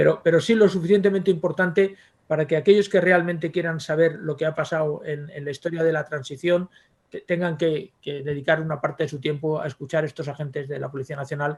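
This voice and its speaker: At a fairly quick pace, a man speaks with fairly high pitch and fairly even intonation, while his loudness rises and falls sharply. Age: 60s. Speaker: history professor. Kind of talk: interview. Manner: halting.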